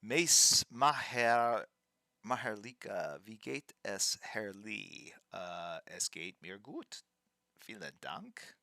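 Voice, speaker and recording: A man in his fifties hosting a livestream, chatting casually while drawing and reading out viewer names in a halting, thinking-aloud way. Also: fairly low pitch, expressive, gravelly, bright, forceful tone, no echo. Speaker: livestream host.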